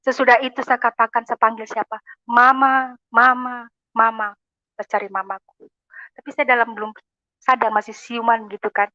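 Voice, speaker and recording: A woman's voice: a little high, fairly even intonation, fairly quick, fairly bright tone, no room sound. A woman from gives a fervent church testimony, addressing listeners as brothers and sisters. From Makassar, Indonesia. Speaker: testimony speaker. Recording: dull, lo-fi, dry.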